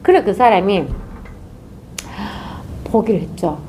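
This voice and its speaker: A woman's voice: medium pitch, slow, slight background noise. A woman giving a dharma talk as a Zen teacher, telling a story and acting out its characters. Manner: animated, acts out characters.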